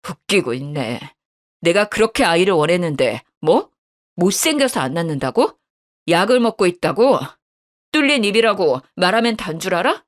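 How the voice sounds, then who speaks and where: A woman voicing a betrayed young husband who scolds his wife harshly in a lowered voice. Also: big pitch swings, moderate pace. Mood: angry. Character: angry betrayed young husband, cold and blunt.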